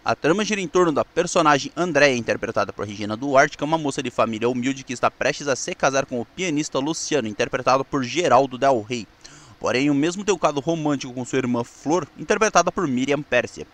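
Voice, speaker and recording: A man's voice: medium pitch, animated, fast, a bit bright. A man with a Brazilian accent presenting in an explanatory, semi-scripted narration, with occasional stumbles. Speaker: presenter of a weekly history channel.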